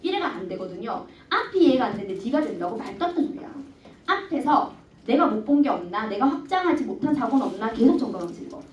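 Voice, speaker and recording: A woman's voice: on the high side, big pitch swings, fast talker, a little hiss or hum. A woman teacher with a Gyeongsang accent lecturing a class, constantly asking students questions. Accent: Gyeongsang dialect. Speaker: Korean language teacher. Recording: echoey classroom from far off, dull.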